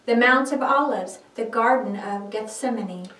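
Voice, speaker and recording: A woman narrates a dramatic biblical script with solemn, theatrical phrasing. Her voice is somewhat high and sounds distant from the microphone in an echoing room. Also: measured pace, a bit bright.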